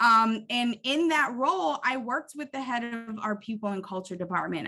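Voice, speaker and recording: This woman has a plain, everyday voice with an American accent and a fairly high pitch. Her intonation is lively and her pace moderate. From Buffalo, New York (born Toronto). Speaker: communications professional. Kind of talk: casual interview.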